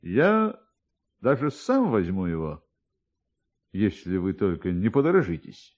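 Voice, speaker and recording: A man's voice: low voice, very animated, a little slow, a little mellow, lo-fi sound, pitched below the performer's own voice, exaggerated voice. A man voicing a dignified, self-important doctor with a courteous, unctuous, persuasive manner, in a classic radio drama.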